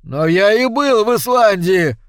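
A man's voice: high-pitched, expressive, measured pace, dry recording, studio quality, pitched above the performer's own voice. A man voicing a frightened, bewildered modern soldier stranded among strangers, speaking in an agitated, pleading way.

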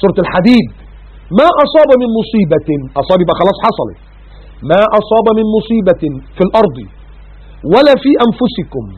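A man with an Egyptian Arabic accent giving a colloquial religious lesson, animated and full of rhetorical questions. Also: high-pitched, slightly rough. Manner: animated, acts out everyday voices and rhetorical questions. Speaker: preacher. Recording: phone-like narrow audio.

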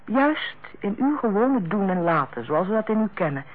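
A composed, diplomatic hospital director in a radio drama. She speaks formally and with measured care, at a medium pitch. The sound is thin and narrow, like an old broadcast. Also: big pitch swings. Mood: diplomatic, firm. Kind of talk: Dutch radio play acting. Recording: tinny, narrow-band old radio recording.

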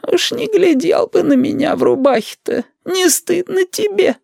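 A man reading a story and voicing a nosy, grumbling old grandmother in a high, drawling, sing-song voice. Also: expressive, unhurried, gravelly, a little mellow, dry recording, studio quality, heavily acted. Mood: querulous.

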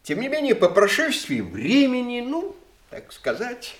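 An actor in a Soviet audio drama playing an uneasy, defensive middle-aged family lawyer, hesitant and formal, in a roomy recording. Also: male voice, very high voice, huge pitch swings, measured pace, exaggerated voice. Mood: uneasy, careful.

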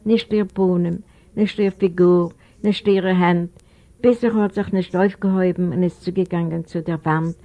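A woman reading a novel aloud as an audiobook, in a measured storytelling manner. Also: on the low side, steady tone, mellow. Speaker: audiobook reader. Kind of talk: literary narration. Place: library recording room.

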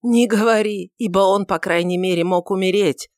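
A woman's voice: a little high, measured pace, dry recording, clean studio sound, pitched above the performer's own voice, natural voice. A woman reading aloud and voicing a grown male apostle, anguished and desperate, in wailing, frantic outcries. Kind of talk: audiobook reading of a dramatic novel.

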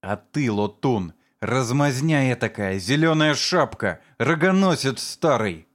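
A man voicing a vengeful man who sneers at and shouts accusations against his brother-in-law. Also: medium pitch, moderate pace, lightly acted. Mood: furious.

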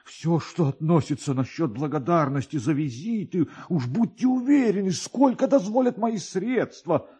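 A man's voice: fairly high pitch, lively intonation, normal speed, hardly any pauses, dark tone, breathy edge, pitched above the performer's own voice. A man voicing a vain, pompous army major who pleads and protests in an agitated way, in a classic radio drama. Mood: pleading.

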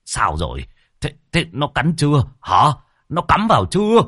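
A man narrator voicing a gruff retired old village grandfather who barks and curses. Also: a little high, wildly swooping pitch, normal speed, a bit bright, dry recording, studio quality, pitched above the performer's own voice, full character voice. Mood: fussing banter. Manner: cursing, barking outbursts.

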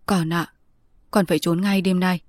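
A woman voicing a tender, worried old blind grandmother who speaks in a hushed, close voice in a read-aloud story. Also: on the low side, steady tone, measured pace, no room sound, close to an everyday voice. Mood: hushed urgent.

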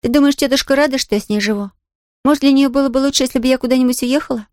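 A woman voicing an earnest young orphan girl in an audiobook, speaking with bright, emphatic sincerity. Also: high-pitched, racing, no room sound, clean studio sound, voice pushed up, natural voice. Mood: anxious. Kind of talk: audiobook character reading.

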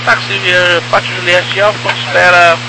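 A man, a pilot heard over an aircraft radio, giving clipped, brisk readbacks of call signs and numbers in terse radio phraseology. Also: sits high, level tone, creaky. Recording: loud hiss and hum of a radio channel.

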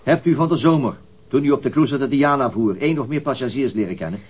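A man's voice: medium pitch, quick pace, darkish tone, husky, natural voice. An actor playing a stern, methodical male police interrogator in a radio crime drama, with clipped, formal and insistent questioning.

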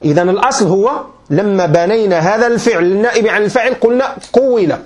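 A sheikh with a Moroccan accent gives a grammar lecture in a notably high voice. He circles back over each point, restarts phrases and keeps asking his class whether they have understood. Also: fast talker. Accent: Moroccan Arabic. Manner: quizzing listeners with frequent check questions; patient, repeats and restarts points.

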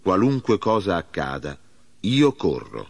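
A man voicing an eager young male runner bringing news, in an earnest, measured reading. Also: low-pitched, wildly swooping pitch, gravelly, exaggerated voice.

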